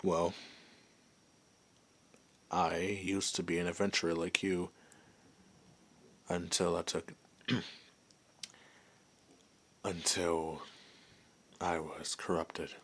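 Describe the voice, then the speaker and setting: Male performer as friendly werewolf ex-adventurer for ASMR audio roleplay; deep register, slow delivery, softly amused, conversational. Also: little pitch movement, husky, heavily acted. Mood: hesitant, reflective. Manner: hesitant, unhurried, softly amused.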